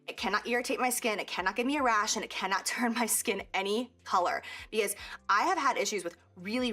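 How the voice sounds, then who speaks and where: A woman describing the jewelry line she designed, talking quickly and earnestly. Her mid-range voice runs through the points in a brisk, explanatory manner. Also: mid-range voice, sharp tone. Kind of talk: product talk.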